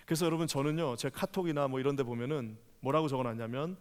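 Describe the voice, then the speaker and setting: A man preaching a Sunday sermon as pastor, swinging from loud proclaiming to hushed rhetorical questions. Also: mid-range voice, fast talker, big-room sound. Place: church sanctuary.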